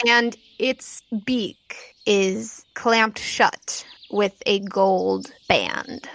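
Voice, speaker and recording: A woman's voice: mid-range voice, steady tone, extremely slow, vocal fry, fairly bright tone. A woman improvising narration as game master of a tabletop role-playing game.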